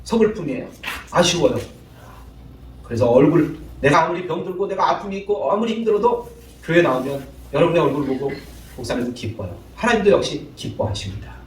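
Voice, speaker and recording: A man's voice: a little high, brisk, echoey room, recorded from a distance, poor audio. A male pastor preaching a sermon, acting out spouses' lines in changed voices and calling out to the congregation for responses. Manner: lively, calls out to the congregation for responses. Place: church sanctuary.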